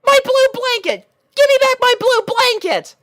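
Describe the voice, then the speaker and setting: A man voicing a clingy, sheepish little boy baby dragon in a high-pitched cartoon voice. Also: expressive, moderate pace, sharp tone, heavily acted. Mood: frantic.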